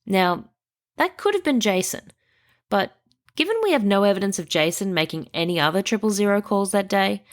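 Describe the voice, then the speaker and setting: A woman hosting a true crime podcast, reading a measured scripted narration with a stuffy nose. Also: medium pitch, expressive. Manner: measured, reasoning aloud through evidence.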